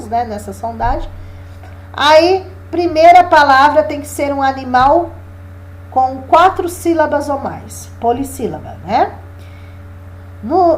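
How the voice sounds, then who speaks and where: A woman's voice: high voice, a little mellow, slight background noise. A woman teacher, giving an exam review lesson and often checking in with her listeners. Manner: explanatory, checks in with "né?" and "tá?".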